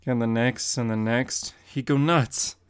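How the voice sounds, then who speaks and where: A man's voice: medium pitch, steady tone, a little slow, clear, resonant tone, no echo, studio quality, close to an everyday voice. A man voicing a cheeky teenage boy sidekick in a dramatic comic reading, asking curious questions.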